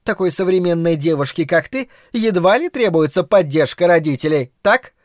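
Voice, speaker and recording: A cruel, shrill middle-aged mother, as a male narrator puts her on, screeching and sneering in an audiobook. The voice sits high and sharp with biting sarcasm. It is recorded close and dry. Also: lively intonation, moderate pace, no echo. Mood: cold sarcasm. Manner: shrieking, scornful, biting sarcasm. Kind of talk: audiobook character voice.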